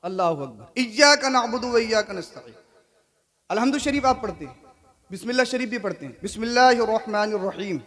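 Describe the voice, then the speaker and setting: A male preacher giving a sermon, swinging between shouted exhortation and quiet, conversational asides, often asking the crowd questions. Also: sits high, expressive, fairly quick. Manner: keeps asking the audience questions. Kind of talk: sermon at a religious gathering.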